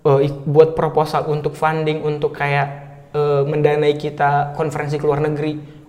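A young man in his twenties from North Sumatra, a native Batak speaker, chatting casually as an interview guest in a lively way and dropping in English words. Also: fairly high pitch. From North Sumatra, Indonesia. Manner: lively, fast talker mixing in English words. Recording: reverberant room.

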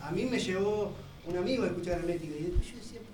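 A man with an Argentine accent, talking on a radio show and telling lively, animated stories. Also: sits high, very fast. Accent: Argentine Spanish. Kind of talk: casual radio chat. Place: radio studio. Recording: roomy, off-mic, with music behind.

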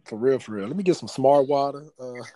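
A man's voice: medium pitch, mellow, no room sound, highs cut off. Laid-back man bantering in slang. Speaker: podcast co-host. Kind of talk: casual chat.

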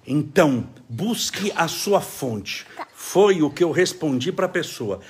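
A man with a Brazilian accent giving an emphatic, animated talk on a live stream from home, with laughing asides. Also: on the high side, takes it slowly, a little hiss or hum. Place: home, caring for his child.

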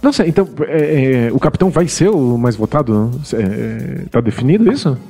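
A man co-hosting a casual podcast, trading animated, jokey banter with his partner. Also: medium pitch, moderate pace, vocal fry, long reverb tail, soft background music. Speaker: podcast co-host.

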